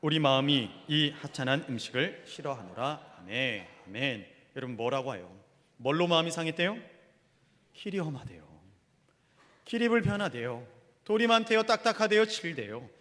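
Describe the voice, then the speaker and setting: A man's voice: sits high, long reverb tail. A male pastor preaching a sermon, asking the congregation questions and acting out quoted complaints. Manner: animated preaching, acts out grumbling quotes, asks the congregation questions. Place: church sanctuary.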